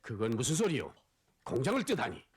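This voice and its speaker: A hearty middle-aged North Korean father talks in film dialogue. His husky, mid-pitched voice leaps around in animated, chiding tones with a North Korean accent. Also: fairly quick, full character voice. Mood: surprised.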